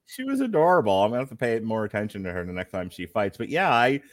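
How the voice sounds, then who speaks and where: A man's voice: on the low side, huge pitch swings, quick pace, no room sound, clean studio sound. A man hosting a live fight-night stream, chatting casually with jokey asides and frequent laughs. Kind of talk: casual live commentary chat.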